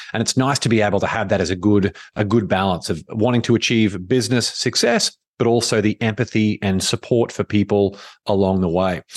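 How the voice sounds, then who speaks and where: A man with an Australian accent, fairly low-pitched and fairly quick, with fairly even intonation, very even loudness, hardly any pauses, and a quiet background. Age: 40s. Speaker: entrepreneur and author. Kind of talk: interview.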